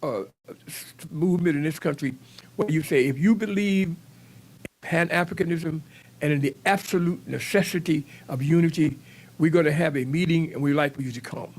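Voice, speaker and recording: High-voiced man, emphatic forum speaker. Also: moderate pace, darkish tone, poor audio. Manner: repetitive, emphatic, many restarts. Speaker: panel speaker. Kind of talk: community forum discussion.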